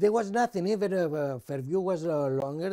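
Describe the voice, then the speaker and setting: A man with a strong Greek accent talks at a moderate pace in a dark, mellow tone, his pitch swinging very widely. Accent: thick Greek. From Greece, Sparta. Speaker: pizzeria owner. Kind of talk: interview. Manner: halting.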